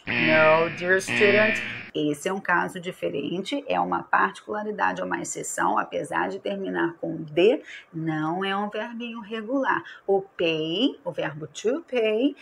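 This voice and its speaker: A woman's voice: on the low side, normal speed, creaky, a little hiss or hum. A Brazilian woman teaching English grammar in Portuguese. She asks rhetorical questions and answers them herself, stretching out the key words. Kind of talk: explaining grammar to students.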